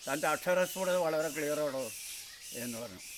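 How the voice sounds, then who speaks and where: A man speaks with lively intonation. Light background noise sits behind him. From Kerala, Palakkad district; Kerala, India. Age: 80s+. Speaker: akshara shloka reciter. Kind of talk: interview. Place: garden.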